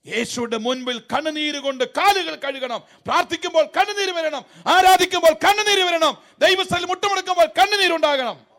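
A man preaching a sermon, swinging between emphatic shouted lines and low, wry, mocking asides as he tells humorous stories. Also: fairly quick, few pauses.

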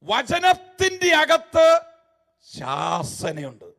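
A man preaching a sermon in a very high voice. He swings between loud, emphatic shouting and quiet, wry asides. He tells mocking, humorous stories along the way. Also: huge pitch swings, drawn-out words, creaky.

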